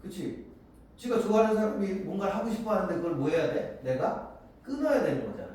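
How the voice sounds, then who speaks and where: A man in his forties teaching a Korean literature class, lively and animated, often checking that students agree and acting out lines of dialogue in quick voices. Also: high-pitched. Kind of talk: classroom lecture. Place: large echoey classroom. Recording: very echoey classroom, voice far from the mic, faint hiss.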